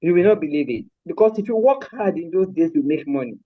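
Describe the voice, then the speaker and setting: A woman's voice: fairly low pitch, lively intonation, fast talker, dry recording, phone-quality sound. An older woman from Lagos with a Nigerian accent, a guest in a live interview who talks about raising her children in an emphatic, firm way. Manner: emphatic, firm, repeats points with force. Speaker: guest, mother and grandmother.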